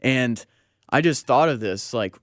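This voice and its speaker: A man's voice: mid-range voice, lively intonation, a little slow, no room sound. A young man with an American accent talks sports on the radio. He chats loosely and uses plenty of slang. His voice is recorded very dry, with hardly any room sound. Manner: slangy, conversational. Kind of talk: casual sports talk radio chat.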